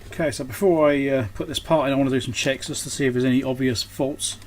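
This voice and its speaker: The host of an electronics repair channel talks fast in a steady, mid-range voice, thinking aloud as he works. His hands-on repair commentary is casual and unscripted, and the background is clearly noisy.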